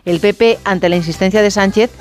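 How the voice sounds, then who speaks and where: Female co-host, mid-pitched voice, brisk headline reading, faint music under. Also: a little mellow. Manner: brisk, chatty. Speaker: radio news co-presenter. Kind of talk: press review reading.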